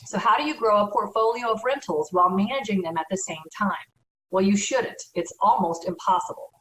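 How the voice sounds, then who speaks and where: A woman's voice: mid-range voice, fairly quick, a bit bright, slight background noise. A woman, a real estate broker, giving earnest, conversational advice in an educational talk. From United States. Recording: echoey room, from far off.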